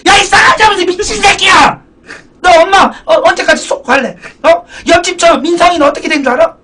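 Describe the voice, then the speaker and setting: A man's voice: extremely high pitch, brisk, bright, forceful tone, pitched above the performer's own voice. A man putting on the voice of a furious, nagging middle-aged mother. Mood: furious scolding. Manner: shrieking, nagging. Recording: distant mic, background music.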